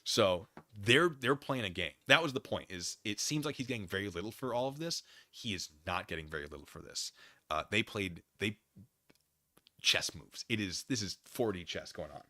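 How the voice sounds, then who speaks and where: An American man hosting a casual livestream, rambling through commentary and chat comments in an animated, digressive way and often losing his thread. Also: on the low side, moderate pace, no room sound, clean studio sound. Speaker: livestream host.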